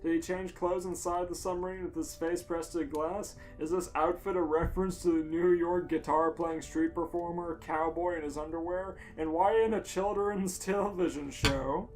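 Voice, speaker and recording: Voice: mid-range voice, steady tone, moderate pace, few pauses, a little mellow, soft background music, poor audio. A podcast co-host reading a comic story aloud in an amused, giggly manner.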